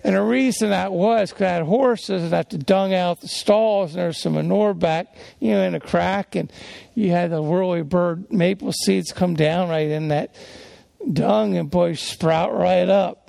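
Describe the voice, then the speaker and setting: A middle-aged pastor with a soft-spoken, folksy way of talking, preaching a sermon that wanders through personal stories. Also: male voice, high-pitched, creaky, dry recording.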